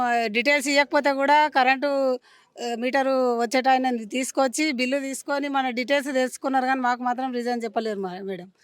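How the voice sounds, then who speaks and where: Telangana woman laborer, worried and pleading, quick smooth voice. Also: fairly high pitch, no room sound, studio quality. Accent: Telangana Telugu. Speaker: resident and laborer. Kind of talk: street interview.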